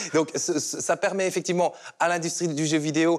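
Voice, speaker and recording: A man with a plain, everyday voice and a fairly high pitch speaks at a moderate pace. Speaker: journalist from Belgian public broadcaster. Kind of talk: panel discussion.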